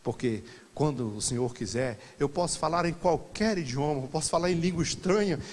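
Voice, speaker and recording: A pastor leading a Bible study sermon to a congregation, swinging from quiet asides to loud, animated exclamations. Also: male voice, fairly high pitch, fairly quick, big-room sound.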